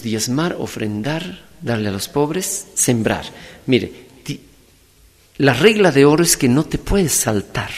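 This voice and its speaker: A middle-aged man with a Peruvian Spanish accent, preaching a sermon in lively storytelling, swinging from hushed to loud. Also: mid-range voice, creaky, in a large hall. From Peru. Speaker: pastor. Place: conference hall.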